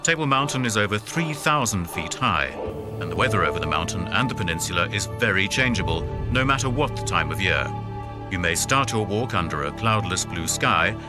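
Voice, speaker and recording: Deep-voiced male narrator with lively intonation. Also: a little fast, over music. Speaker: voice-over artist. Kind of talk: scripted narration for documentaries and promotional films.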